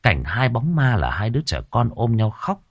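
A man reading a ghost story aloud as a storyteller, in a dramatic, expressive style. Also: medium pitch, normal speed, slightly rough, dry recording, lo-fi sound. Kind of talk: scripted ghost-story narration.

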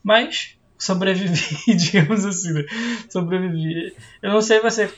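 A man's voice: sits high, moderate pace, highs cut off, a crowd in the background. A man co-hosting a podcast, telling a story in a laid-back, slangy way full of fillers. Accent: Brazilian Portuguese. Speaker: podcast co-host. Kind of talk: casual chat over a video call.

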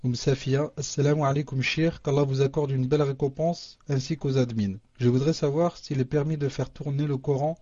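Man haltingly reading questions aloud. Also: mid-range voice, steady tone, warm tone, dry recording. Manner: halting reading with restarts, Arabic religious phrases. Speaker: moderator reading listener questions. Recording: muffled lo-fi audio.

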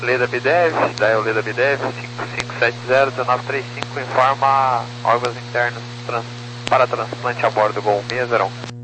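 A man's voice: medium pitch, fairly even intonation, normal speed. A Brazilian man, an airline pilot, giving terse procedural readbacks over a crackly aviation radio. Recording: noisy, humming cockpit radio transmission.

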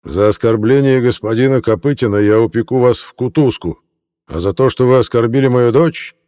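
A man's voice: mid-range voice, a little fast, warm tone, clean tone, pitched above the performer's own voice, lightly acted. A man voicing an enraged, commanding town governor who roars orders. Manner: roaring, commanding. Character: furious older male town governor, bellowing.

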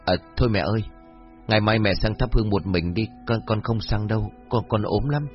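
A man's voice: lowish voice, a little fast, close to an everyday voice. A man voicing a frightened, superstitious young village man who stammers when scared. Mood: nervous. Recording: dull lo-fi audio with faint music.

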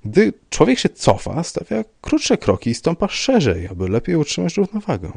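A man voicing a gruff police commissioner who speaks in a dry, curt, dismissive way. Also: on the high side, huge pitch swings, moderate pace, a little mellow, no room sound, voice pushed up, full character voice. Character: gruff, unbothered middle-aged police commissioner.

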